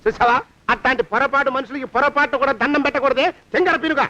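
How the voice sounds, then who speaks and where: An actor playing a vain, stingy, lecherous middle-aged landlord who scolds and blusters in comic film dialogue. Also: male voice, very high voice, steady tone, quick pace, bright, forceful tone. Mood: scolding. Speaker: film comedian. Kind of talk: Telugu film comedy dialogue. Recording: dull lo-fi film soundtrack.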